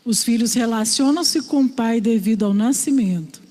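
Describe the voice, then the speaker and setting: A woman from Brazil preaching a sermon, telling stories in a lively storyteller's way. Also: a little high, normal speed. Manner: storytelling, animated voices for quoted father. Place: church hall. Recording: reverberant church hall.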